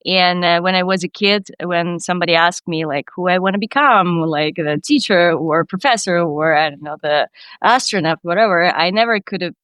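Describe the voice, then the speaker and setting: A Ukrainian woman with a Ukrainian accent talks earnestly about her work as a company founder, restarting her phrases often. Her voice sits fairly low and sounds smooth and clear. The recording is dry and close, with no room sound. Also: moderate pace, a bit bright, no echo. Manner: earnest, dreamy, many restarts, light non-native grammar. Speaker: startup CEO guest. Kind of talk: casual podcast interview.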